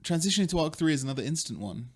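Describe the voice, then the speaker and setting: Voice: mid-range voice, animated, rapid-fire. A podcast co-host from the UK recapping a tabletop game, with dry, agreeable replies and frequent laughs.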